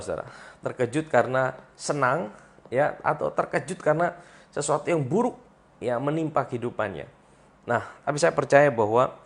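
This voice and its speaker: A man with an Indonesian accent preaching as a pastor, teaching Bible verses to viewers at home in a didactic way, often addressing listeners directly. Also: on the high side.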